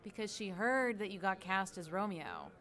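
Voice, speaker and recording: A woman's voice: medium pitch, big pitch swings, moderate pace, a bit bright. A woman playing a sly, blunt teenage girl with a wry, teasing way of talking in an audio drama. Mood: matter-of-fact.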